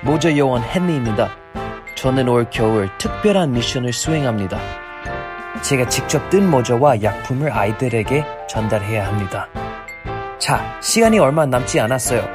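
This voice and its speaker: Cheerful guy doing a scripted campaign ad, lively ups and downs, music clearly behind. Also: mid-range voice, normal speed. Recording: music bed under the voice.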